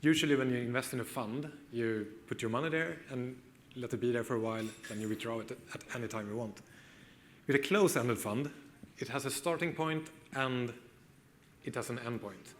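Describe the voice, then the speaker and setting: A man with a Swedish accent presents on a conference stage in a middle-pitched voice. He explains things steadily, with a few ums along the way, and a faint hum of the hall sits behind him. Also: moderate pace. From Sweden. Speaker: conference speaker. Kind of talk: conference talk.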